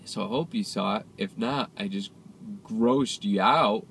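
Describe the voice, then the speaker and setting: A man's voice: on the low side, a little slow, creaky, low-quality recording. A young man with a nasal, congested voice from a cold, chatting casually and rambling while filming himself in his car. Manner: rambling, chatty, self-deprecating. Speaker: vlogger. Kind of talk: casual driving vlog. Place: inside a moving car. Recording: loud road and engine noise.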